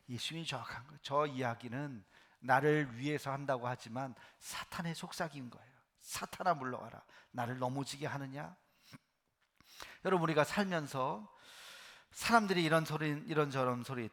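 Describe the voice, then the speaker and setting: A man preaching a Sunday sermon in a church, telling Bible stories with animated acted-out voices. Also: fairly high pitch. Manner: animated storytelling, acts out biblical voices; drops to a soft hush for emphasis. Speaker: pastor. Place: church sanctuary.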